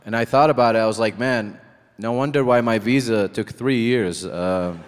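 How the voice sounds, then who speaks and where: A man from Iraq doing a stand-up comedy set on a live stage, deadpan and halting, with many pauses and fillers. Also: mid-range voice, smooth. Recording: reverberant venue with crowd.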